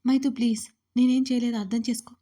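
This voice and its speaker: An anxious young woman in an audio drama, soft and tearful as she begs to be heard, read by a woman. The voice is slightly high and mellow in tone. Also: little pitch movement, quick pace, natural voice. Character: young woman, anxious friend, desperate to explain.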